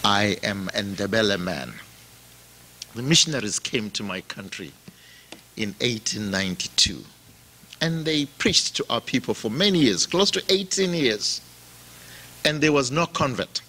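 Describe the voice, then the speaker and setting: A man from Zimbabwe preaching a sermon in a slow, emphatic style, his voice rising and dropping for effect. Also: fairly low pitch, expressive, sharp tone.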